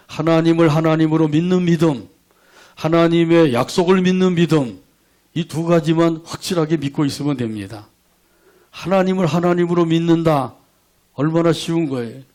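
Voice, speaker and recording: A male pastor delivers a sermon with a fairly high voice, posing rhetorical questions. He breaks up scripture into short lines for the congregation to repeat back, and he acts out the prayers he quotes. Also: a little mellow. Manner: leads congregation in call-and-response verse reading.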